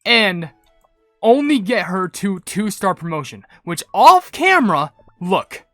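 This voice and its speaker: A man giving excited, casual game commentary in a rambling, emphatic way as a video creator. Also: high voice, slow pace, no room sound, studio quality, faint music behind.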